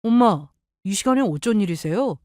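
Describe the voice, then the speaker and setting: A calm young husband tries to settle things in a measured tone, as a woman reading a story plays him. He speaks a little lower than the narrator's own voice. The recording is dry. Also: no echo, lightly acted. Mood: placating. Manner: placating, measured.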